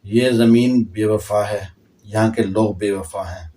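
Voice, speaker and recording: A man tells history with earnest passion, now and then reaching for a proverb or a line of verse. His voice is mellow and dark. He sounds a little distant from the microphone. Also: fairly low pitch, steady tone, slow. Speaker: online commentator. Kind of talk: impassioned historical storytelling.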